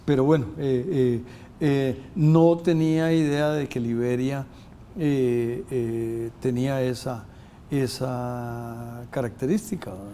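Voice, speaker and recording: An older man from Costa Rica hosting a university interview program, talking in a halting way with many filler sounds. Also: mid-range voice, fairly even intonation, mellow, a little hiss or hum. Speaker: host.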